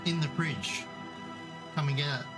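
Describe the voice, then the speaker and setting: A man's voice: a little high, measured pace, over loud music. A man with an Australian accent hosting a stream watch party, chatting casually and drawing giveaway winners. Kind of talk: casual chat. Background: tournament broadcast playing.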